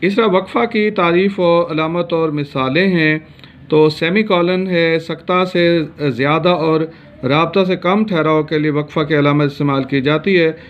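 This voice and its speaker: A man from Pakistan gives a grammar lesson with a somewhat high voice. He explains steadily and fills pauses with hesitation sounds. The recording is dull and lo-fi. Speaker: teacher.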